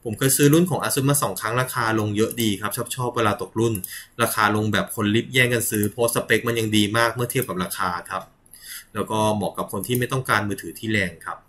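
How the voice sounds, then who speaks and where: A man with a slightly low voice runs a relaxed tech news show. He reads each headline in a chatty way, with polite particles, small restarts and quick laughs, and answers viewer comments between stories.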